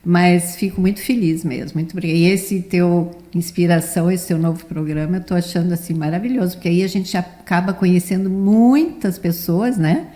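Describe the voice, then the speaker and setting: A Brazilian theatre director in her seventies, born in Rio de Janeiro and raised in the south, tells childhood stories as a guest in a relaxed interview. She speaks in a warm, lowish voice at normal speed with hardly any pauses, chatty and rambling, often tagging sentences with "né."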